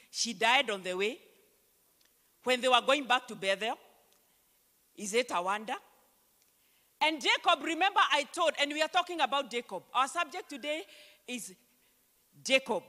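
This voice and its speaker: A Kenyan woman pastor preaches into a handheld mic, her high, bright voice pressing each point with emphasis. She slows down to read scripture aloud, and long church reverb trails her words. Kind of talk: sermon. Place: church stage, large hall.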